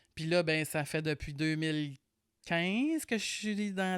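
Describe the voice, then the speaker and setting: Very slowly, a man speaks at a fairly high pitch with ordinary pitch variation. The recording is very clean with a silent background. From Quebec, Côte-Nord. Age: 40s. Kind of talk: casual chat. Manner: repeats words, hesitant fillers.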